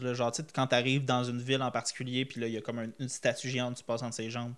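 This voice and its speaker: Pitched at a medium level, a man's voice carries fairly even intonation. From Quebec, Gatineau. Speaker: comedian. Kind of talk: casual chat.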